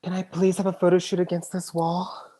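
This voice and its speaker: A man's voice: sits high, monotone, fairly quick, mellow. A man acting a sassy, unbothered young gay man with a dry delivery in a comedy table read.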